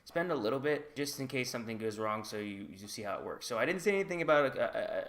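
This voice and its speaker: With an expressive, fast delivery and a fairly bright medium-pitched tone, a man from the United States talks informally to the camera for his channel. English is his native language, and he comes across as candid and chatty, hedging with "like" and "I guess" as he relates what happened to him.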